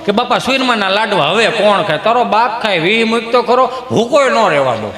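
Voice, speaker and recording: A male stand-up comedian from Gujarat, telling folk jokes and acting out villagers in high voices. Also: very animated, normal speed, a bit bright. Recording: echoey live stage hall.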